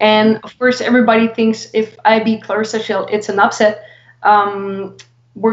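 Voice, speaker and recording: A woman with a Quebec French accent, fairly even intonation and a fairly quick pace, in a quiet background with audible room echo. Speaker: professional boxer. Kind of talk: casual interview. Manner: hesitant, many fillers. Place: home room. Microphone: video call.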